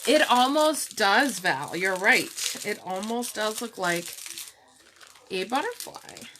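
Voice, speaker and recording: Slow, calm-voiced woman selling jewelry. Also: medium pitch, a little hiss or hum, poor audio. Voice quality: calm, soft-spoken. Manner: unhurried, chatty, answers viewer comments by name. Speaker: jewelry live seller. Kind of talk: slow live-stream product showcase chat.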